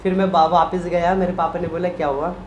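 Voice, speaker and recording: A man talks casually to camera, animated and emotional, acting out the people in his story. The room rings with echo, and a faint ambient hum sits underneath. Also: sits high, a little fast, highs cut off. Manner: emotional, animated retelling with quoted voices. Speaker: vlogger, husband.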